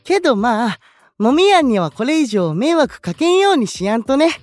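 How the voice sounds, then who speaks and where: A man playing a gentle, candid young male idol with a Kansai accent in an anime-style audio drama, soft-spoken and considerate. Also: extremely high pitch, big pitch swings, moderate pace, no echo, faint music behind. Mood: earnest, caring.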